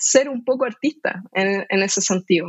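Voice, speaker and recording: A woman is speaking. Her pace is moderate and her pitch variation ordinary. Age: 30s. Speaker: visual translator and illustrator, business owner. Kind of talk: casual interview conversation. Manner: animated.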